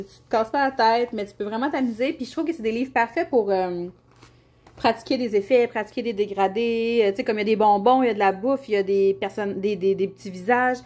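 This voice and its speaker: A woman's voice: a little high, fast talker, a little mellow. A young woman with a Québécois French accent, chatting casually as a colouring vlogger, rambling with fillers and restarts. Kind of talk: casual chat showing colouring books.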